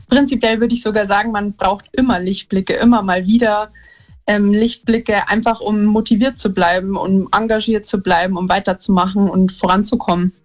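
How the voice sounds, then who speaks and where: A young woman from Upper Bavaria calling into a radio show by phone, friendly, with light laughs and hesitant fillers. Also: mid-range voice. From Upper Bavaria, Germany. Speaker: caller. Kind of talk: phone-in conversation. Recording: slightly dull phone-in line.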